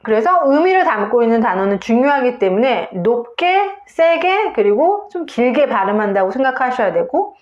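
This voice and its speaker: A woman's voice: on the high side, big pitch swings, moderate pace, few pauses, darkish tone, echoey room, muffled recording. A woman English teacher giving a video lesson on pronunciation, explaining step by step and saying example words aloud.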